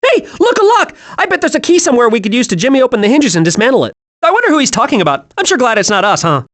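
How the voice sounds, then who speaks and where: A man voicing an excitable, scatterbrained, cheerful young male squirrel with a childlike, eager delivery in an animated video game. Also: extremely high pitch, rapid-fire, exaggerated voice. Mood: hyper, eager.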